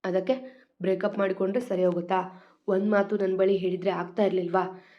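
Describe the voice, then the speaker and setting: A woman's voice: medium pitch, fairly even intonation, a little fast, lo-fi sound, close to an everyday voice. A woman voicing an earnest young man, devoted to his girlfriend, speaking in a pleading, emotional way. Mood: tender.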